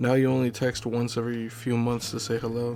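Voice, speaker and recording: Music plays in the background. A man speaks at medium pitch in a flat monotone. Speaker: gaming / skateboarding content creator. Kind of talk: casual reflective talk to camera.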